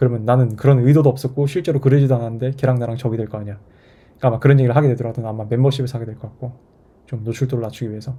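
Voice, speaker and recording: The voice moves at a very fast pace with a dark, mellow tone. It is somewhat breathy, and the intonation stays fairly even. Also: man, medium pitch for a man. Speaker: dating and relationships youtuber. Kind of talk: casual monologue. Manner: casual, conversational.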